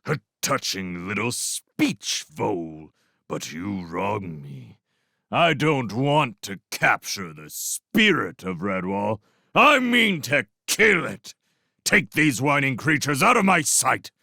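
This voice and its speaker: A man's voice: medium pitch, sing-song, slow pace, bright, forceful tone, no echo, studio quality, full character voice. A man voicing a cruel male rat warlord who sneers and boasts, then bursts into roaring tirades, in a storybook reading. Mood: menacing.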